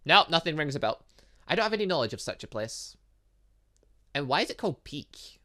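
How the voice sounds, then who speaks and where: A man's voice: fairly high pitch, very animated, fairly quick, sharp tone. A man voicing curious, skeptical young students from a fantasy visual novel game, conversational and questioning. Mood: doubtful. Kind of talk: reading visual novel game dialogue aloud.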